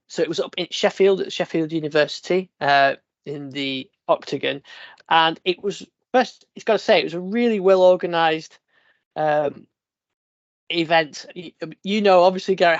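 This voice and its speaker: A man's voice: on the high side, no echo, dull audio. A man hosting a casual tech podcast, sniffly from a cold, rambling with lots of fillers. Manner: rambling, many fillers and restarts. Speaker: podcast host.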